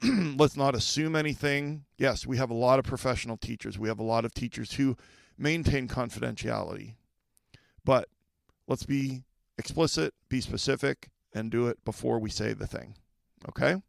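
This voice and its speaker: A man's voice: mid-range voice, normal speed, vocal fry, no room sound. A middle-aged man hosting a podcast for school leaders, talking conversationally, repeating key points and checking in with listeners. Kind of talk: solo podcast advice talk.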